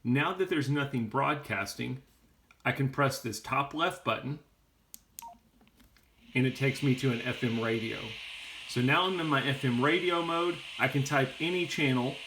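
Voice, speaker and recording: A man's voice: medium pitch, normal speed, a bit bright, a little hiss or hum. A man explaining things step by step in a plain-spoken, casual how-to style. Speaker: how-to video host.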